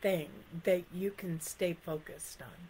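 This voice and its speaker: At a very slow pace, the speech comes out somewhat breathy. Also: woman. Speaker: ministerial intern leading prayer. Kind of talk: guided meditation with slow repeated affirmations. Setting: live-streamed online video. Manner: slow, soothing breath cues; gentle, repeats each affirmation twice. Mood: calm, soothing. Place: home room. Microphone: webcam.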